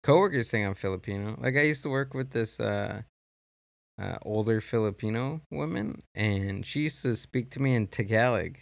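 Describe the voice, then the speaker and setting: A man's voice: fairly low pitch, gravelly, dry recording. A man hosting a casual podcast chat, rambling and restarting his sentences often in a studio. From Mexico. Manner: rambling, halting, many restarts. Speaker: podcast host.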